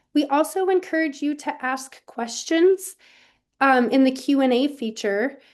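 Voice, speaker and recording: The speaker is loud, with an American accent. The pace is fairly slow, and the pitch varies in an ordinary way. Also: woman, high pitch for a woman. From Montana. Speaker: nonprofit development director and webinar moderator. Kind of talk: webinar moderation. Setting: online webinar. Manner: speaking as loudly as she can.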